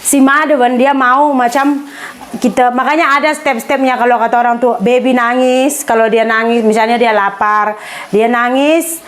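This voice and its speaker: A woman's voice: on the high side, steady tone, normal speed. A woman chatting casually to camera as a vlogger, slipping English words into her talk.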